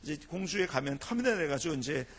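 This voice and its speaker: Speaking fast in a high, breathy voice, a middle-aged Chungcheong man from South Korea preaches a revival sermon in a church sanctuary. As a pastor he spins humorous, animated stories, imitating people as he goes, their dialect and their words included.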